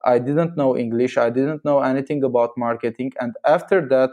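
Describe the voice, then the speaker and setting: Mellow man. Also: mid-range voice, moderate pace. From Syria. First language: Armenian and Arabic. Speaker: podcast guest, marketing agency founder. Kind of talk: casual conversational interview answers.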